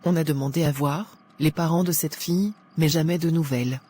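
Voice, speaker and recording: A man's voice: a little high, steady tone, brisk, darkish tone, a little hiss or hum, close to an everyday voice. A man voicing a worried, indignant Christian mother and pastor's wife in a cartoon. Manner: fretful, indignant. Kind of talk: French-language Christian cartoon acting.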